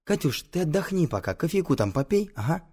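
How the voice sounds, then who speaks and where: Brief: male reader as a high, gushing young director, fawning and flustered, lively swings. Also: brisk, breathy edge. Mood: dreamy. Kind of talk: audiobook character voice.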